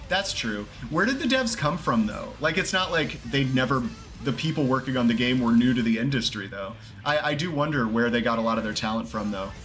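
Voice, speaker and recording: Through noticeable background noise and audible room echo, a man talks very fast at a medium pitch with ordinary pitch variation. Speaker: gaming streamer. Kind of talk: live gameplay stream chat. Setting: live stream with headphones.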